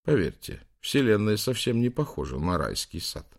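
A man voicing a male astrophysicist who dismisses the idea of design with measured irony. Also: on the low side, very animated. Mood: ironic. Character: scornful male astrophysicist on old footage.

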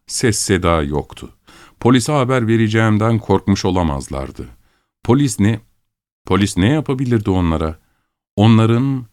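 A man narrating an audiobook in a measured, musing reading voice. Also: fairly low pitch, a little mellow, dry recording, studio quality.

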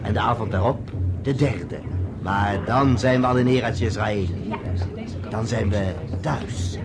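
A man's voice: lowish voice, measured pace, music in the background. An actor playing a devout Jewish man solemnly leading a Chanukah celebration in a radio drama. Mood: solemn, hopeful. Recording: noisy old radio drama recording.

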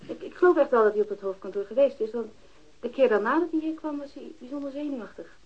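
A woman's voice: sits high, quick pace, darkish tone, slightly rough. An actress playing a frank, matter-of-fact woman who uses drugs, giving testimony in a radio crime drama. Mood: matter-of-fact, recounting. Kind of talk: Dutch radio drama dialogue. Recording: dull, lo-fi archived radio recording.

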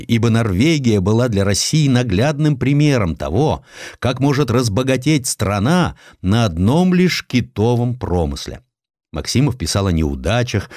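Low-voiced man narrating with lively swings. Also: no echo, clean studio sound. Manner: expressive storytelling, acting out quoted lines. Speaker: audiobook narrator. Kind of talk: scripted narration of historical prose, dramatized reading.

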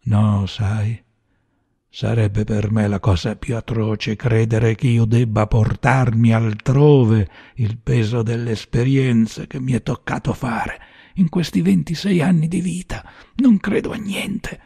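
A man voicing a bitter, desperate young man who speaks with grim scorn that rises into a rant, in a gravelly, husky voice. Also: mid-range voice, steady tone, takes it slowly, warm tone, exaggerated voice. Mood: cold, bitter.

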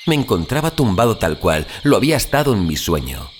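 Low-voiced, troubled wanderer played by a man, theatrically suspenseful. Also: very animated, a little hiss or hum. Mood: reflective, urgent. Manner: theatrical, suspenseful, with deliberate dramatic pauses. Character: troubled male wanderer recounting a haunting dream. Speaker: narrator. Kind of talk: dramatic first-person audio fiction narration. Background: music.

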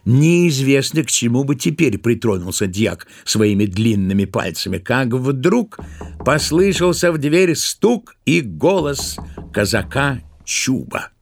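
A man's voice: medium pitch, big pitch swings, slow pace. A man narrating a literary tale as a scripted storyteller in an audio drama.

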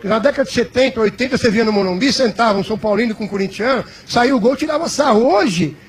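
A man who is a former referee, a guest on a sports talk show, explaining his view in quick rhetorical questions. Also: very high-pitched, a little hiss or hum. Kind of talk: phone-in interview chat.

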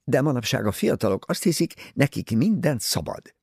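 A man's voice: medium pitch, big pitch swings, vocal fry, a little mellow, breathy edge, no room sound, studio quality, voice pushed up, full character voice. A man voicing a prim, disapproving older English mother in an audiobook, scolding and easily offended.

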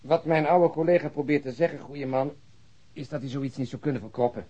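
Man acting cynical detective, husky voice, sarcastic monologues, radio drama, dull recording. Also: mid-range voice, fairly even intonation, a little fast, warm tone, close to an everyday voice. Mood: bitter sarcasm. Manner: sardonic, long-winded monologue, mock politeness. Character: cynical, ranting, sarcastic male police detective colleague.

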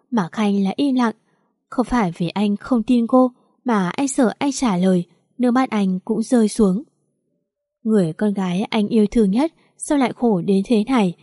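Female storyteller, steady and dramatic; mellow tone, dry recording. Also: mid-range voice, no room sound. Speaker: narrator. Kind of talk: scripted story narration.

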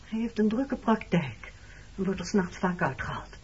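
A woman acting in a radio play as a hurt, reproachful married woman facing her former lover, speaking in a measured, intimate, accusing way with a slightly husky voice. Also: mid-range voice, expressive, a little mellow. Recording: dull lo-fi old radio recording.

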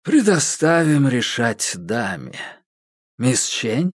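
A man's voice: medium pitch, big pitch swings, slow pace, breathy edge, dry recording, studio quality, exaggerated voice. A man reading an audiobook voices a cold, impatient millionaire who speaks curtly. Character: cold, impatient rich middle-aged man.

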